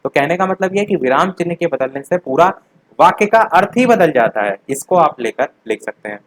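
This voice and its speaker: A young male teacher with a slightly high voice works through exam questions one by one. He talks straight to his students and goes back over the key points to make them stick. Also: expressive, brisk, poor audio. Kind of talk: exam revision lesson.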